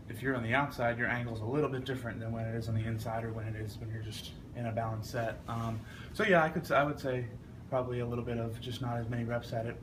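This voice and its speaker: A young man, an athlete answering press scrum questions in a measured, earnest way. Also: medium pitch. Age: young adult. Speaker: football offensive lineman being interviewed. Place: media scrum with ambient noise. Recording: clearly noisy ambient background.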